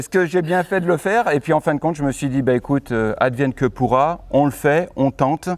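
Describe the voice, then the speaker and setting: A man with an ordinary speaking voice and a fairly high pitch talks at a fairly quick pace with hardly any pauses and ordinary pitch variation. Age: 40s. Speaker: YouTuber and election candidate. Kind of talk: casual chat.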